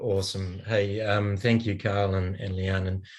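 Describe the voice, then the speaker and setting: A man speaks with a New Zealand accent. His voice is fairly low and somewhat breathy. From New Zealand, Wellington. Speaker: business founder and speaker. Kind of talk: fireside chat.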